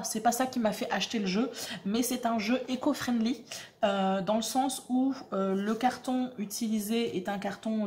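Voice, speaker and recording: A woman's voice: mid-range voice, a little mellow. A woman, hosting a tarot channel and presenting a deck in a chatty, self-mocking way with many fillers. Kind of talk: casual presentation to camera.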